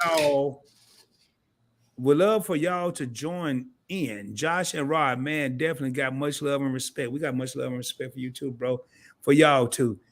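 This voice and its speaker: A man's voice: mid-range voice, a little slow. A man co-hosting a casual live stream, joking around, laughing often and reading viewer comments aloud. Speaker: co-host of a credit live stream.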